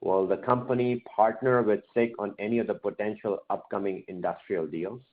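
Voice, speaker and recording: Male moderator reading out investor questions, slightly low voice, narrow phone-quality sound. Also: steady tone, moderate pace. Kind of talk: reading questions aloud on an investor conference call. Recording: thin, phone-like conference line.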